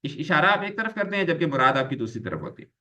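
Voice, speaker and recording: A man's voice: a little high, big pitch swings, fast, pushed and bright. A man teaching an online grammar lecture, explaining patiently, repeating key terms and mixing English words into his explanations.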